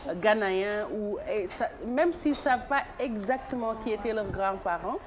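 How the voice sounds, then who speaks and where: A woman's voice: mid-range voice, normal speed. A woman co-host on a TV talk show joining the conversation with a chatty comment. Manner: brief backchannels, then a reflective chatty comment. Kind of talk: casual talk show chat. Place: TV studio. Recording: TV studio broadcast with noticeable noise.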